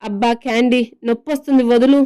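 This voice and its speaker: A patient young husband asks his gentle, puzzled questions, with a woman voicing him in an audio story. The voice stays mellow and smooth, and the delivery is flat and even. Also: fairly high pitch, fast, no echo, studio quality, close to an everyday voice. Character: patient, amused young husband caring for his tipsy wife.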